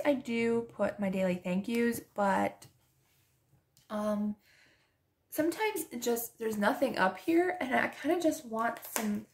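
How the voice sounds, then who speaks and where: A woman chatting casually while she decorates a planner, soft-spoken and drifting into whispers, laughing often, her voice hoarse as she loses it. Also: on the high side, slight background noise. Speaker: planner and journaling vlogger.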